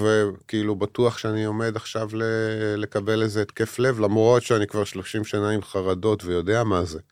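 A man in his fifties, a guest speaking earnestly and haltingly in an interview, with many pauses and restarts. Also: on the low side, clean tone, no room sound, studio quality. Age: 50s. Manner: earnest, heavy. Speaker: guest, author and army veteran. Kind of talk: personal interview talk.

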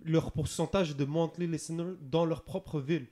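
Quebec French host, fairly high voice, steady questioner. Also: male voice, normal speed. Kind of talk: casual chat.

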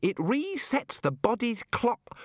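A man voicing a pompous wizard turned into a six-year-old boy, squeaky and whiny, in a fantasy storybook reading. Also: huge pitch swings, slow, dry recording, clean studio sound, full character voice. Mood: bossy, flustered. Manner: lapses from pompous explaining into toddler babble.

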